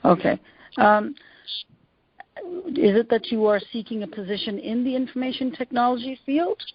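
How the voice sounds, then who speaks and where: A middle-aged woman speaking as an attorney advising callers, in a halting, measured way, often rephrasing herself. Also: fairly high pitch, husky, no room sound. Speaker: immigration attorney answering callers. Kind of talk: advisory question-and-answer on a conference call. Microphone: phone conference line. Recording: dull, lo-fi conference call line.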